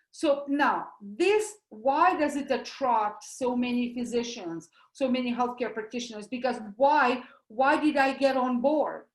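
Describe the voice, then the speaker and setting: A woman with a Russian accent giving an animated, emphatic health talk, explaining things through everyday comparisons. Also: on the high side, roomy sound, poor audio. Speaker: doctor giving a presentation.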